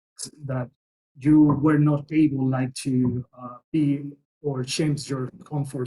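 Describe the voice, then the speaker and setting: A man with a Spanish accent at a fairly slow pace, fairly high in pitch, with a dark, mellow tone, fairly even intonation and a somewhat breathy sound. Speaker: sales student. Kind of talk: interview testimony.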